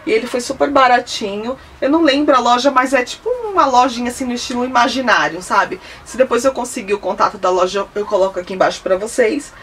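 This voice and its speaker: Chatty Brazilian woman vlogger, raised pitch. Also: fairly bright tone. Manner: chatty and enthusiastic, holding items up to the camera. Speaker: home decor vlogger. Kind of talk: casual product haul chat. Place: indoor room, seated at home. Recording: slightly distant mic, faint hiss.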